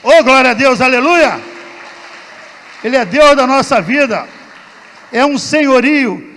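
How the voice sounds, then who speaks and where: A man's voice: very high-pitched, animated, a little slow, a bit bright, a faint crowd. A man, a guest pastor preaching and telling a personal story, acting out the dialogue. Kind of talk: sermon with personal testimony. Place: church sanctuary. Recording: reverberant church hall.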